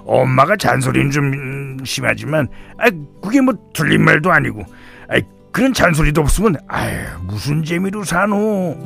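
A man's voice: on the high side, very animated, normal speed, gravelly, fairly bright tone, faint music behind, voice pushed up, heavily acted. A man voicing a blunt, grumbling older husband who blusters at his family in a radio story. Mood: blustering.

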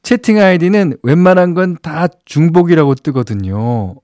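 A man's voice: a little high, expressive, moderate pace, darkish tone, no room sound. A middle-aged man hosting a radio show, chatting casually and chuckling as he reads listener messages. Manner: chatty, chuckles often, many fillers. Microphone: studio microphone. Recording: dry studio sound.

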